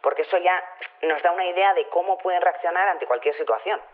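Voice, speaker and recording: A man's voice: high-pitched, a little fast. An actor playing a chatty, self-assured male community official, rambling colloquially through a radio interview over a telephone line. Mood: casual, earnest. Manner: rambling, colloquial, hedging with tag questions. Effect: telephone filter. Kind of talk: improvised-sounding radio phone-in interview. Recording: narrow, tinny phone line.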